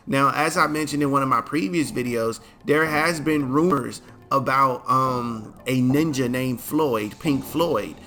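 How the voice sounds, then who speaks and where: A relaxed man rambles through casual gaming commentary in slangy talk. He sounds sleepy and keeps stifling yawns. His voice is bright and forward, sitting at an ordinary male pitch. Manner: laid-back, chatty, slangy. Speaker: gaming video host.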